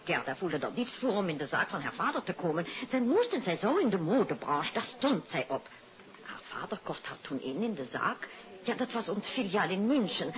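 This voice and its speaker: Anxious shop madame, animated, muffled radio. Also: female voice, on the low side, moderate pace. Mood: confiding. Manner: hesitant, formal, emphatic. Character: worried, polite German fashion shop proprietress, Madame Klein. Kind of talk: 1950s Dutch radio drama acting. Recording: muffled 1950s radio recording with background chatter.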